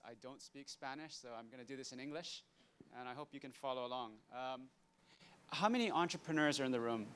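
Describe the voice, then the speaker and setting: A man in his fifties from Hawaii, giving a conference master class in a relaxed, dry-humored way with frequent ums. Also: medium pitch, clear, resonant tone. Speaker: guest speaker, entrepreneur.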